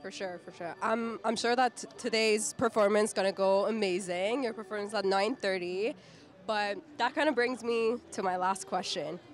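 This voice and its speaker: A woman interviewing people on the street at a festival, upbeat and quick with affirmations. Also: medium pitch. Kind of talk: festival vox pop interviews. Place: outdoors at a city festival.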